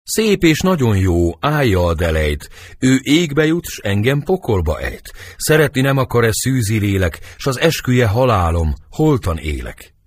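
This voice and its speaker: A man's voice: mid-range voice, very animated. A man reading the part of Romeo, a brooding young nobleman in love, declaiming verse with sighing swings of feeling in an audiobook. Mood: lovelorn.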